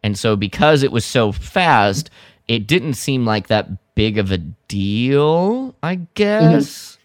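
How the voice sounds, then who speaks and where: A man co-hosting a podcast, chatting casually and haltingly as he recaps a story. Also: mid-range voice, sing-song, no room sound, studio quality. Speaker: podcast co-host. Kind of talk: casual chat recapping a radio drama.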